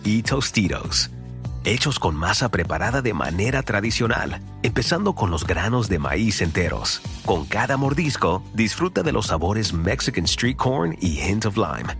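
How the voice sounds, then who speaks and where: A man's voice: lowish voice, fairly bright tone. A man reading scripted advertising narration.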